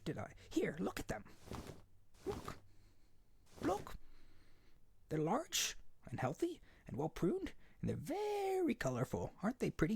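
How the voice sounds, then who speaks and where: A man's voice: on the high side, gravelly, slightly rough, no room sound, exaggerated voice. A man playing a hyper, naive and desperate harpy boy in an ASMR character roleplay, earnest and pleading. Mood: excited, insistent. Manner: pleading, excitable, stammering, earnest.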